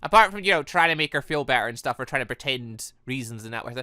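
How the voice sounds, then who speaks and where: Animated, bright-voiced gaming commentator. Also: medium pitch, fast talker, no echo, clean studio sound. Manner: rambling, excitable. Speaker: video game let's-player. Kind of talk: casual gameplay commentary and read-aloud.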